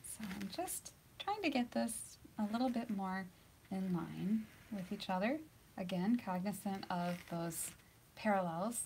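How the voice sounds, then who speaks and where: A woman gives a live painting lesson in a studio filled with cameras and lights; she's chatty, laughs a lot, and sometimes murmurs in a soft near-whisper as she works. Medium in pitch, her voice has lively intonation at a measured pace, over a slight hiss or hum.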